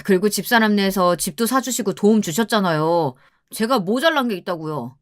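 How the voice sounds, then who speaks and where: A woman's voice: medium pitch, expressive, brisk, no room sound, clean studio sound, natural voice. A woman voicing a mild young husband who politely pleads with his mother. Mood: pleading.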